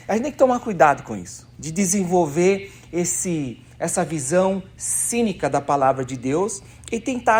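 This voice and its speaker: Man preaching with lively pitch. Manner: conversational, emphatic preaching with rhetorical questions. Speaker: pastor. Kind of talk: sermon. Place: church.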